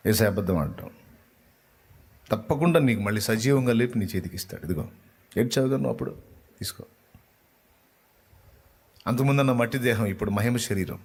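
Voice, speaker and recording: A man with a medium-pitched voice delivers a sermon as a preacher. He tells his story with passion and keeps asking the listeners rhetorical questions. He repeats key lines over and over for emphasis. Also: fast talker, pauses often, husky.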